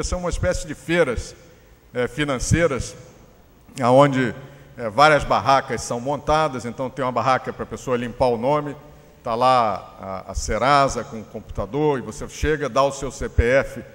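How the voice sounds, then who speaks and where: A man with a Brazilian Portuguese accent giving a conference presentation, pausing often with filler sounds. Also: medium pitch, fairly bright tone. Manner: hesitant, many filler pauses. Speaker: panel speaker. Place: large conference hall. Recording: long hall reverb.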